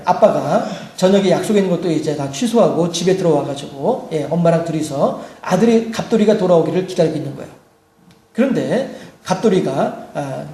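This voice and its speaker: A male pastor delivers a sermon in a high voice that rings through an echoey church room. He tells stories, acts out the people in them, and builds to shouted peaks. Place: church sanctuary.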